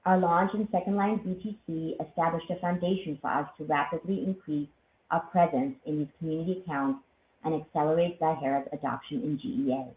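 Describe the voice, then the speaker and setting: A woman executive giving a formal, measured scripted presentation on a corporate earnings call. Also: low voice. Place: conference call line. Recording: thin phone-like line, roomy echo, faint noise.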